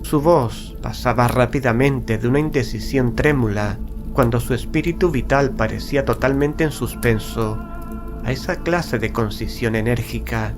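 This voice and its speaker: A man narrating a Gothic horror tale in a solemn, measured, literary style. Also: mid-range voice. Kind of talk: scripted horror audiobook narration. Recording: prominent music bed under narration. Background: music.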